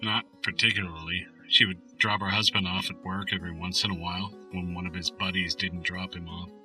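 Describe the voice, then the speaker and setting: Low, very bright-voiced male shopkeeper. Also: steady tone, a little fast, recorded from a distance, soft background music, low-quality recording. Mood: guarded, wistful. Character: guarded male convenience store owner being questioned. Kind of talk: audio drama acting.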